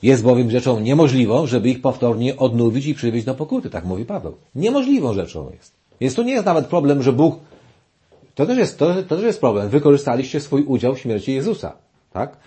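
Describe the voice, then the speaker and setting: A man delivers a Bible lecture, reading verses aloud and then explaining them in his own words. His voice is mellow and husky. He often breaks off and restarts his sentences. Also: mid-range voice, very animated, fairly quick. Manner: reads scripture aloud and comments, with many restarts. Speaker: preacher.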